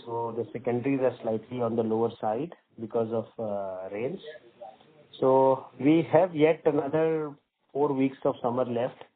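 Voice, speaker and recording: A man's voice: mid-range voice, steady tone, a little slow. Indian-accented male executive on a phone line. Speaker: company executive answering analysts. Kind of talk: spontaneous business conference call answers. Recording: muffled narrowband phone conference line.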